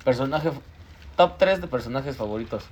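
Lively Mexican co-host. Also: male voice, mid-range voice, moderate pace, husky, muffled recording. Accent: Mexican Spanish. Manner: joking, slangy. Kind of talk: casual chat.

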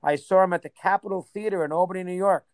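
Man in his sixties, high-pitched, smooth resonant voice, rambling, reminiscing, dry sound. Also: steady tone, dry recording. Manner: rambling, lists names in quick bursts. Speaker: interview guest. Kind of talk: casual reminiscing interview.

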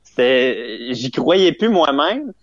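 A man's voice: medium pitch, very animated, slow pace, dry recording. A young man with a Québécois French accent, a comedian chatting in an interview, rambling and self-amused with lots of fillers and restarts. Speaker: comedian guest. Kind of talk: casual interview chat. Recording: slightly dull lo-fi sound.

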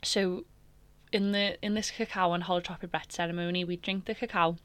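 Low-voiced woman sharing her story, candid. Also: steady tone, brisk, no echo. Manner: emotional, candid, rambling with many fillers. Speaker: podcast host. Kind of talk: personal storytelling podcast.

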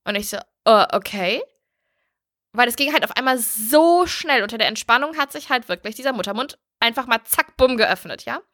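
A woman's voice: fairly high pitch, animated, moderate pace, fairly bright tone. A young woman telling her own story in casual chat, candid and blunt, swearing freely. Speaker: podcast host.

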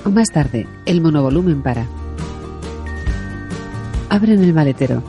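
A narrator reading audio description in a neutral, even way. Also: mid-range voice, measured pace, over music.

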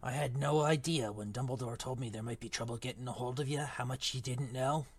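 A man playing a big gruff, emotional giant in an audiobook, with rustic colloquial speech and dropped consonants. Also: a little high, animated, normal speed. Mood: anxious, hesitant. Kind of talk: audiobook character acting.

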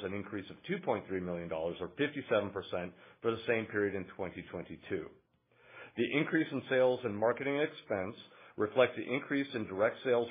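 Husky man reading on a muffled phone line. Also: on the low side. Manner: formal, measured reading of figures. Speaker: company finance executive. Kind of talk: scripted financial report on an earnings call. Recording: muffled, narrow phone-line conference audio.

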